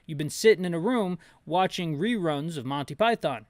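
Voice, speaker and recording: A man's voice: a little high, animated, normal speed, no room sound, clean studio sound. A man giving casual, rambling gameplay commentary with sarcastic, nitpicking asides. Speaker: video game playthrough host and narrator.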